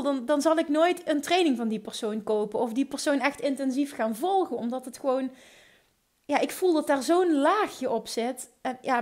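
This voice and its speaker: A woman with a Limburg accent, hosting a solo podcast, talking in an energetic, enthusiastic way with quick restarts. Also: high-pitched. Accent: Limburg Dutch. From Limburg, Netherlands. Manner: energetic, enthusiastic, talks fast with many restarts. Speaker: podcast host.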